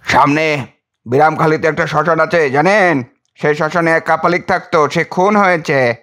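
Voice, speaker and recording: A man's voice: on the high side, moderate pace, fairly bright tone, voice pushed up, lightly acted. A man voicing a chatty, matter-of-fact rustic constable in an audiobook story.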